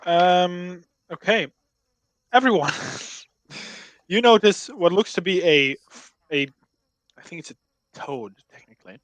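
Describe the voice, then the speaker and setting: A man's voice: sits high, a little slow, pauses often, a bit bright, no room sound, low-quality recording. A man running a tabletop game as game master, narrating casually and talking with the players.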